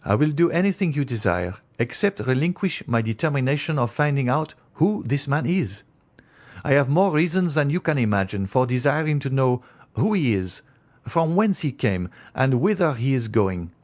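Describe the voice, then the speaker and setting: An earnest young gentleman voiced by a male narrator, courteous but stubborn. He speaks formally and insistently in a slightly raised voice, as in a classic audiobook. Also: medium pitch, sing-song, normal speed, pitched above the performer's own voice, natural voice. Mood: determined. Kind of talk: audiobook character acting.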